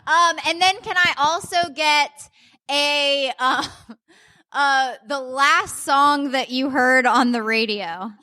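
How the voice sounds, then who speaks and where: A giggly, excitable woman doing live improv banter as a comedy performer on stage. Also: high voice, takes it slowly.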